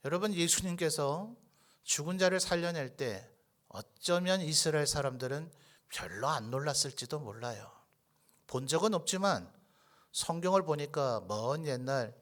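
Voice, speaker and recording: A man's voice: a little high, animated, moderate pace, fairly bright tone. A male pastor preaching a Sunday sermon into a microphone in a church, emphatic and questioning the congregation. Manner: drops to a whisper for tender points. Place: church sanctuary.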